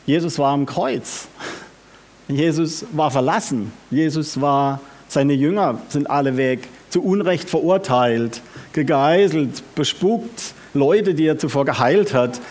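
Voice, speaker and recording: A man preaching a sermon, often asking the congregation questions and speaking with lively emphasis. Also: fairly high pitch, slow.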